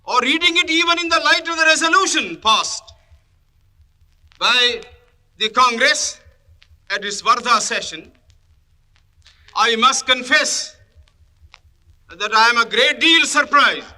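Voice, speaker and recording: Very high-pitched, slow-speaking male orator. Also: bright, forceful tone. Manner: measured, emphatic, broken into short phrases. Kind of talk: formal parliamentary oratory.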